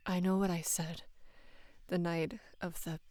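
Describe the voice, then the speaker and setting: A young woman in her twenties playing a devoted female knight in love with her queen, speaking hesitantly and deferentially in a soft, breathy voice for intimate roleplay audio. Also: lowish voice, flat delivery, no echo, lightly acted. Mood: flustered, pleading. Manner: hesitant, halting, deferential, earnest.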